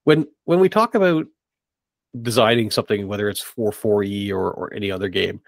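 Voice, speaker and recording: Male podcast host, fairly low voice, dry sound. Conversational, hedging, rephrases as he goes. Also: a little fast, vocal fry, dry recording. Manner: tentative, hedging, circles back to rephrase. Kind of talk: conversational interviewing.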